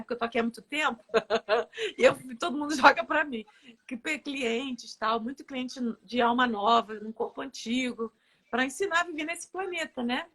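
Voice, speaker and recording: A woman, a therapist and guest, telling stories in a casual interview with a lively, laughing manner. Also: high voice. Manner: lively storyteller, laughs often. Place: live online interview.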